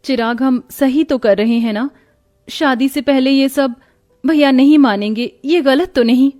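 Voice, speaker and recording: A woman voicing a timid young woman in a cartoon, speaking in a soft, hesitant, stammering way. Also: high voice, unhurried, faint music behind.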